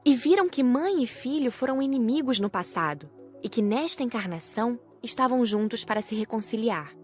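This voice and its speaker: Reading a scripted audiobook tale told in the first person, a woman speaks at medium pitch with careful, measured enunciation.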